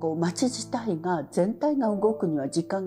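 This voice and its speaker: A woman's fairly low voice with very wide pitch swings at a fairly slow pace, clear music in the background. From Japan. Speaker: indigo dye researcher. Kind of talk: interview answer. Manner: positive, upbeat. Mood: warm, reflective. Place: home room.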